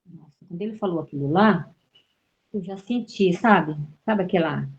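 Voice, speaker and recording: A woman's voice: fairly low pitch, normal speed, highs cut off. A middle-aged woman from Brazil, an interview guest telling her experiences with vivid storytelling, repeating words and acting out quoted voices.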